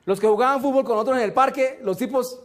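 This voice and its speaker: A man giving a motivational seminar talk, slow and emphatic, often asking rhetorical questions. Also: very high voice. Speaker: motivational speaker.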